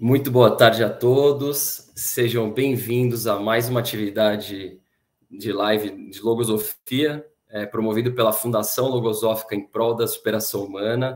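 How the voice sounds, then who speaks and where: In an ordinary speaking voice, this speaker goes at a fairly slow pace with fairly even intonation and big swings in loudness. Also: man, medium pitch for a man. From Brazil, Santos (São Paulo state). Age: 30s. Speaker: study group host. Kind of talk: live online talk. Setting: video livestream.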